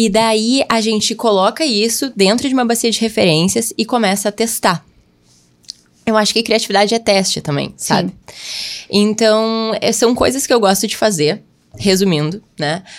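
A woman speaks with a fairly high pitch and ordinary pitch variation. She keeps a moderate pace. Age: 20s. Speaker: digital marketing entrepreneur. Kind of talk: interview. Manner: animated.

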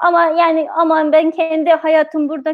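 Speaking at a fairly slow pace, a woman talks in a Xinjiang accent. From Kashgar, East Turkestan (Uyghur). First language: Uyghur (speaking Turkish). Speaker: activist for detained family. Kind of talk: interview testimony.

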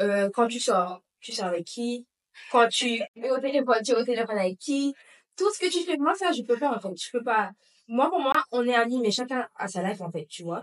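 Speaking at a moderate pace, a woman uses a high voice with lively intonation. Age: 20s. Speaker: podcast guest, host's best friend. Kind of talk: casual chat. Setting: pyjama party chat.

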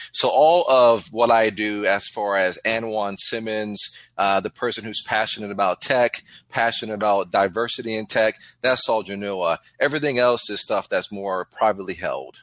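Against a quiet background, a man speaks at a moderate pace in a fairly low register with an American accent, ordinary pitch variation and an ordinary speaking voice. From Texas, Wichita Falls. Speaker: tech project manager. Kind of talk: interview.

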